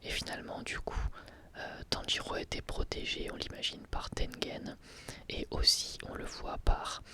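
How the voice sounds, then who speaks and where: A man reviews an anime episode on his channel in a soft ASMR whisper, often hesitating with fillers.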